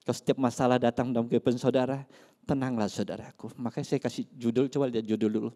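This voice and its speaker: A pastor preaching a sermon in church, swinging between loud emphasis and soft asides. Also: male voice, mid-range voice, little pitch movement, quick pace.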